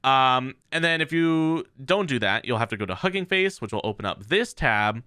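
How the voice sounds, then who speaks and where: A man's voice: mid-range voice, animated, normal speed, sharp tone, clear, resonant tone, dry recording. A man presenting a tech tutorial in a casual, conversational way, explaining step by step into a close mic. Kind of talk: casual software walkthrough.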